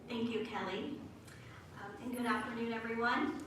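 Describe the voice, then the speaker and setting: A woman, a second-generation Vietnamese American, giving a measured, formal prepared speech as guest speaker at a commemoration. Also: fairly high pitch, fairly even intonation, fairly bright tone. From United States. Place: large event hall. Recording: echoey hall, distant mic, noisy.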